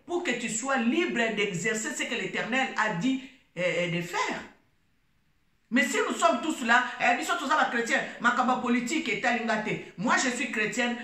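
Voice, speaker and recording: A woman's voice: a little high, fairly bright tone, reverberant. A Congolese woman, a gospel singer, giving an impassioned religious talk, emphatic and repetitive, slipping between French and Lingala. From Democratic Republic of the Congo. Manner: emphatic, preachy, repeats phrases, mixes French and Lingala.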